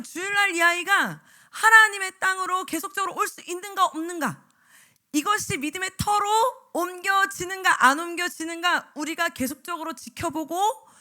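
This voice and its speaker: A woman evangelist giving a lively sermon to church teachers, often acting out the voices of teachers and children. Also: extremely high pitch. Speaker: evangelist preacher. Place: church sanctuary.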